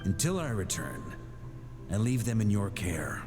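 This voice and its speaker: An actor playing a seasoned knight leader in a video game, measured, reassuring and mentoring. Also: male voice, on the low side, very animated. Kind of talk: scripted video game voice acting. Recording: long reverb, music underneath.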